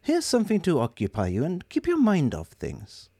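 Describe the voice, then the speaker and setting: A man voicing a bright, compassionate young woman who speaks in a lilt. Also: mid-range voice, wildly swooping pitch, moderate pace, no room sound. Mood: cheerful. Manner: lilting, bright.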